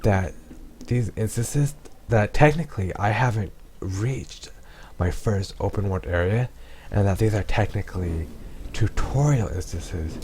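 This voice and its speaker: A man's voice: on the low side, measured pace, darkish tone, slight background noise. A man casually commentating his gameplay in a rambling way, with many ums and restarts, while losing his voice. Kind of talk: casual let's-play commentary.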